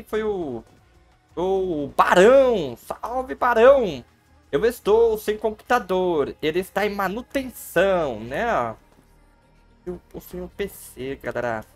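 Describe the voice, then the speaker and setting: Joking Brazilian streamer with lively pitch. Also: male voice. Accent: Brazilian Portuguese. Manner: playful, joking, keeps addressing the chat. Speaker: game streamer. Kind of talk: casual gameplay livestream commentary.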